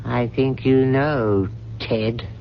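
An actor playing an elderly, loyal family butler who speaks formally and deliberately with cold disapproval, in a radio mystery. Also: male voice, medium pitch, steady tone, creaky. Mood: stern, cold. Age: older. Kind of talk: 1970s radio mystery acting. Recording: dull radio recording, faint hum.

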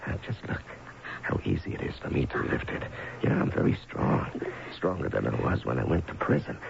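An American actor playing a vengeful escaped convict husband in a radio mystery drama, taunting with slow mock tenderness in a gravelly voice. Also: male voice, rumbling low, sing-song, exaggerated voice. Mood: taunting menace. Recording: muffled, noisy old radio broadcast recording.

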